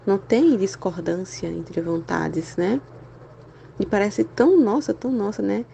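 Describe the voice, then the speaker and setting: An adult woman giving a casual spiritual talk for a Catholic channel, chatty and animated, sprinkling "né?" through her speech while feeling unwell and weary. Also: medium pitch, unhurried, creaky, slight background noise. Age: adult with a school-age son and husband. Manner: chatty, constant "né?" tags, animated exclamations.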